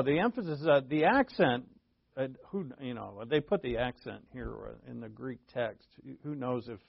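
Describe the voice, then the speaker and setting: A man teaching scripture in a loose, chatty way, reading verses and then wandering into asides. His voice sits in a middle pitch. The recording is dry and a bit muffled. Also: no room sound. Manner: conversational, digressive, with fillers and asides. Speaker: Bible teacher. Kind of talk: casual Bible study teaching.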